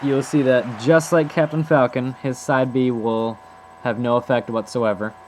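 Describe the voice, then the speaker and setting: A man's voice: mid-range voice, steady tone, a little slow, slight background noise. A man giving casual, improvised commentary as he demonstrates techniques in a video game, thinking aloud in an informal way. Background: music.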